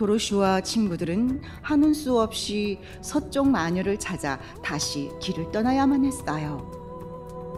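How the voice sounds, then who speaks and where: A woman's medium-pitched voice with lively intonation and music in the background. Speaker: storyteller. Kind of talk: children's story reading.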